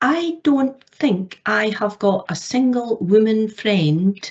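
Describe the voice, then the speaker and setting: This woman's voice is somewhat breathy, with lively intonation. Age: 60s. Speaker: local councillor. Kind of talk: committee meeting remarks. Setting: council committee meeting.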